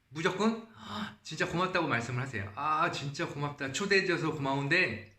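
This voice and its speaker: The voice swings very widely in pitch, and the room echo is audible. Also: man. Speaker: YouTuber sharing immigrant life tips. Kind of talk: casual vlog tutorial. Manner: halting, searching for Korean words.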